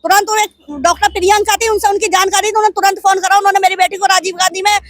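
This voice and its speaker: Middle-aged woman, very high voice, rapid and indignant, grieving mother in a street interview, dry close sound. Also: level tone, fairly bright tone, dry recording. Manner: impassioned, indignant, fires rhetorical questions.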